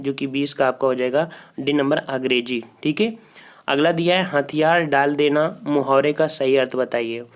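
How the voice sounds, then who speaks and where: Exam coach, male, fairly high voice, repeats key answers, talks straight to the class. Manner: repeats answers, frequent "ठीक है" fillers, talks to students directly. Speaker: exam prep teacher. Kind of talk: Hindi grammar quiz walkthrough.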